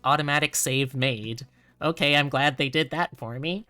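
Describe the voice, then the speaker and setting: A woman's voice: sits low, moderate pace, bright, forceful tone, faint music behind. A woman streamer talking casually and reading a visual novel aloud on a livestream.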